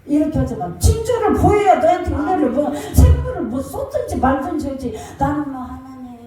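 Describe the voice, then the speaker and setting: Woman pastor, sermon; high, mellow voice, sing-song delivery with shouted commands; distant mic in a very echoey church hall. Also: a little fast, over music. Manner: animated storytelling, sing-song preaching cadence; shouts commands mid-story.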